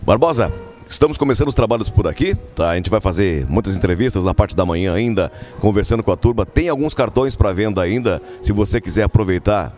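A man with a Rio Grande do Sul accent reporting live for a radio show, chatty and lively. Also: deep voice. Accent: Rio Grande do Sul Portuguese. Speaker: field reporter.

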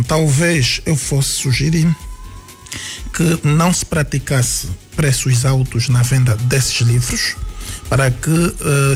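A man, a radio guest answering questions thoughtfully with many pauses, fillers and restarts. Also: medium pitch. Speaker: guest writer.

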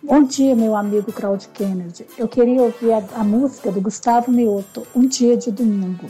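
A woman's voice: a little high, moderate pace, mellow, faint music behind. A Brazilian woman calling a radio show to request a song, friendly and plain. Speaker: caller.

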